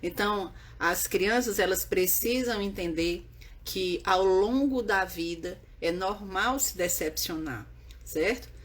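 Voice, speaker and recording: A woman with a slightly husky, breathy voice explains baby sleep to parents. She talks earnestly and repeats her points, often pausing to check that her listeners follow. Her pitch sits in a middle range. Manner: earnest, repetitive, checks in with "né?" and "certo?". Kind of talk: explaining to viewers on camera.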